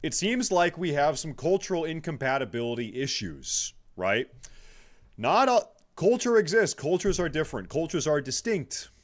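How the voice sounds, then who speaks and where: A man's voice: on the high side, big pitch swings, moderate pace. A man streaming a reaction video, making blunt, crude, mocking comments in casual chat.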